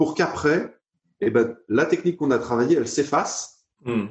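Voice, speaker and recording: At a moderate pace, a man speaks somewhat breathily with ordinary pitch variation. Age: 40s. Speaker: worship leader and musician. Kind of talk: interview. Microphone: possible audio problems and lag.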